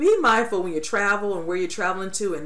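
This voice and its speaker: Noticeable background noise sits behind this woman's voice. Her tone is animated, and her pitch variation is ordinary. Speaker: film review youtuber. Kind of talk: casual vlog monologue. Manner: fast talker.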